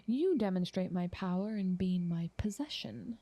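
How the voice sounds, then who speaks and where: Woman playing a soft, breathy, motherly ancient vampire. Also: lowish voice, lively intonation, dry recording. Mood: calmly commanding. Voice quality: soft, breathy, half-whispered. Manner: doting, unhurried, genteel. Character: ancient female vampire, motherly, possessive, genteel, calmly powerful. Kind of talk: intimate ASMR roleplay.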